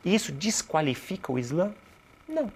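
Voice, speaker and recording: A man's voice: high voice, big pitch swings, normal speed, husky. A Brazilian man speaking as an interview guest, explaining ideas in a didactic way and answering his own rhetorical questions. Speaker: interview guest, cultural producer and activist.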